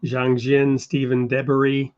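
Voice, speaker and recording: A man hosting an interview show, talking in a measured, conversational way with a few fillers. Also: medium pitch, monotone. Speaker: host. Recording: dull lo-fi sound.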